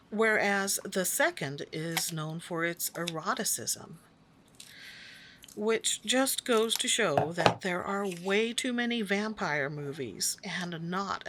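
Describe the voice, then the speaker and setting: A woman's voice: fairly low pitch, noisy background. A woman hosting a craft video, narrating conversationally with a wry, dry sense of humor.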